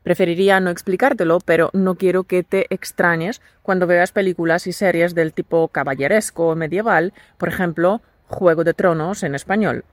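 A woman teaching a scripted language lesson, clear and patient as she leads drills. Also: lowish voice, fairly even intonation, normal speed, hardly any pauses, no room sound. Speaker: Spanish teacher.

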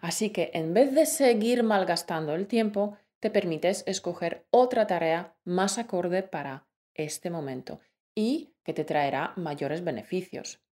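Woman podcast co-host, measured and clear, explaining study tips. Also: on the low side, dark tone. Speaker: co-host of a Spanish-learning podcast. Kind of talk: scripted podcast teaching.

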